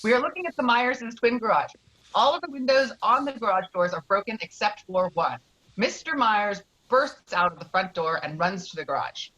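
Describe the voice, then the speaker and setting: Bright-voiced woman narrating a screenplay. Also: medium pitch, animated, moderate pace, rough recording. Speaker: narrator reading stage directions. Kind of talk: scripted narration, screenplay table read.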